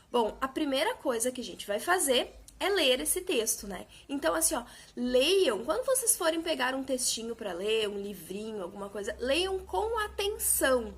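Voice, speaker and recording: High-voiced teacher stressing syllables slowly. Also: female voice. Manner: slow, patient, exaggerated syllable emphasis. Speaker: primary school teacher. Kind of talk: recorded video lesson for children.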